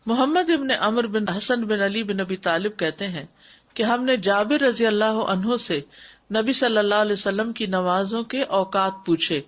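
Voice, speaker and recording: A woman teaching a class on prayer, explaining things step by step and repeating key points for emphasis. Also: mid-range voice. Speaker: Islamic studies teacher. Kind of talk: lecture on prayer. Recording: dull lo-fi recording.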